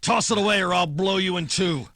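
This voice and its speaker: An actor playing a tough, wisecracking 1940s private detective in noir radio drama style, sardonic and clipped. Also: male voice, high-pitched, fairly quick, background noise. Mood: hard, threatening.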